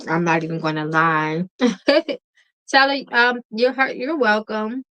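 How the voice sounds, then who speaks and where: A tarot reader hosts a late-night livestream, chatting casually with viewers and laughing often. Her relaxed, calming voice is medium-pitched and a little slow.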